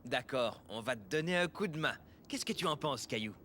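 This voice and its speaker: A man's voice: mid-range voice, animated, a little fast, a bit bright, close to an everyday voice. A man playing a supportive, patient young father in a children's cartoon. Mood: encouraging. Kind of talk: French-language children's cartoon dialogue.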